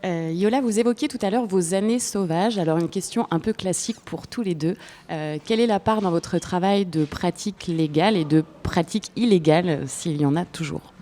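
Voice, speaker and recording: Female interviewer, lower pitch, mellow tone, polite and formal. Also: brisk. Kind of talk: radio interview questions.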